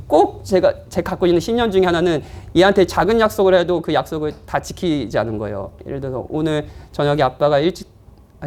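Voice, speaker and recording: A male pastor delivers a sermon in church, talking to his congregation as if in conversation. His voice rises and falls with animated, expressive swings, and he teases his listeners lightly as he goes. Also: a little high. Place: church, afternoon service.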